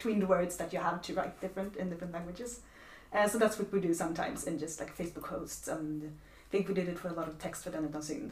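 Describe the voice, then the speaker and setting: Amid noticeable background noise, a woman with a Swedish accent talks very fast in a fairly low pitch, with ordinary pitch variation. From Sweden. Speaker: larp organizer. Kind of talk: podcast interview. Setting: festival venue.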